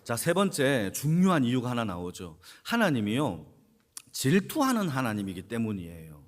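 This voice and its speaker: A senior pastor with a mid-range voice gives a Sunday sermon at normal speed, his pitch swooping wildly. Inside the church sanctuary, he questions the congregation and answers himself, repeating key phrases to drive them home.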